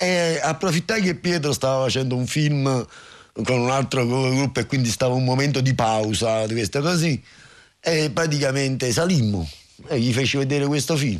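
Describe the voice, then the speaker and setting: A man with an unremarkable speaking voice, moderate pace, and ordinary pitch variation. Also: medium pitch for a man, very even loudness. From Naples, Italy. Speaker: actor and filmmaker. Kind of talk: radio interview.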